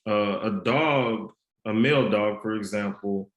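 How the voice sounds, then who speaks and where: A man with a slight Haitian Creole accent, a guest author and mentor telling his story in an earnest, measured way in a podcast interview. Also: on the low side. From United States. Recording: roomy echo.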